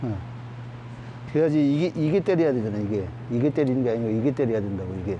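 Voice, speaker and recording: A man's voice: medium pitch, lively intonation, fast, dull audio, background noise. A man coaching in a large indoor gym, explaining informally to trainees in plain, repetitive speech. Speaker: badminton coach.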